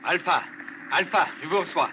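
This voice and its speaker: A man's voice: a little high, normal speed. An actor playing a stranded male spaceship pilot, calling his base urgently over a radio link. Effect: heard over a radio link. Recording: noisy, distant radio transmission.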